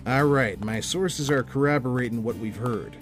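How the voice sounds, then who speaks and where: An actor playing a gruff, stubborn, weary police detective in an audio drama, terse and exasperated. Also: male voice, mid-range voice, normal speed, soft background music, natural voice. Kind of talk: full-cast audio drama acting.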